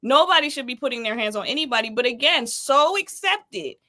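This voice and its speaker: A woman's voice: sits high, fairly quick. A woman in her late forties hosting a casual live chat, telling stories in an emphatic, colloquial way. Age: 40s. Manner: animated, emphatic storytelling with colloquial asides. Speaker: podcast host.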